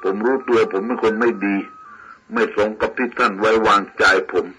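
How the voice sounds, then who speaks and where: A man's voice: medium pitch, steady tone, moderate pace, bright, forceful tone, lo-fi sound, faint music behind, natural voice. A man voicing an ashamed, debt-ridden younger man who speaks humbly and pleads for help. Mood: humble, pleading. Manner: pleading, deferential.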